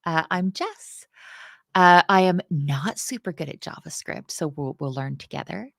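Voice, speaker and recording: A woman's voice: on the low side, expressive, a little slow, creaky, a bit bright, no room sound, studio quality. A woman from the UK, teaching a casual coding lesson in a playful, chatty, self-deprecating way.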